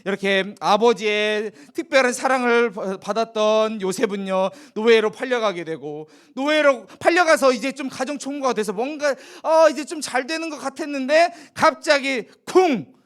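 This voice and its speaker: A man's voice: very high-pitched, normal speed, hardly any pauses. A man preaching a children's sermon, telling a Bible story and asking the children questions as he goes. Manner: animated, asks the children questions.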